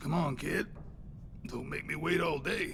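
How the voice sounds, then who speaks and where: Over loud background noise, a man speaks in a put-on character voice at a moderate pace. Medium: video game. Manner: gruff, profane.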